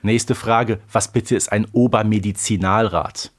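A man co-hosting a podcast, discussing an audio drama episode in a lively, enthusiastic way. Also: fairly low pitch, measured pace. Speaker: podcast co-host. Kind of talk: casual chat about an audio drama episode.

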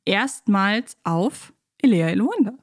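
Woman, podcast host, medium pitch, casual discussion, chatty, thoughtful, explanatory. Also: expressive, slow pace. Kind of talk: casual podcast discussion of children's audio dramas.

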